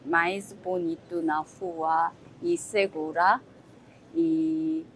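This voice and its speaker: A woman from South Korea with a Korean accent, answering interview questions in halting second-language speech, pausing often to search for words. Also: on the low side, a little hiss or hum, low-quality recording.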